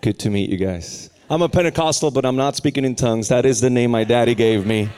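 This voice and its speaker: A man's voice: fast talker, smooth. A man in his thirties from Puerto Rico, preaching a sermon with humor and rising intensity. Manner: lively, humorous preaching that climbs higher and more intense as it goes. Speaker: pastor.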